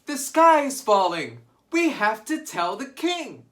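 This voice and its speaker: A man voicing a frantic flock of small farm birds, shouting in a shrill, panicked way. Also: big pitch swings, takes it slowly, exaggerated voice.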